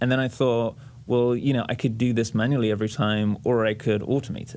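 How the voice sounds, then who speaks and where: Speaking at a medium pitch, a man talks at a fairly quick pace with fairly even intonation. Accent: English. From England. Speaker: software company founder and video editor. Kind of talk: interview. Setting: studio. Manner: hesitant, many fillers.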